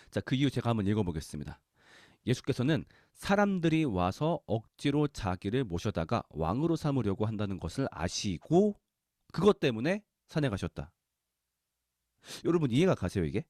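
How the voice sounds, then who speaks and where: Animated man giving a Bible lesson. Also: medium pitch, no echo, studio quality. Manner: conversational, acts out quotes, asks the audience questions. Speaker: Bible study lecturer.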